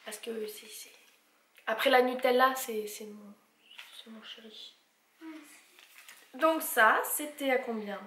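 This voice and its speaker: A vlogger chats casually through a shopping haul, listing items and prices and tripping over English brand names. Her voice runs fairly high, pushed and bright, and she goes slowly with long pauses in an echoey room with faint noise.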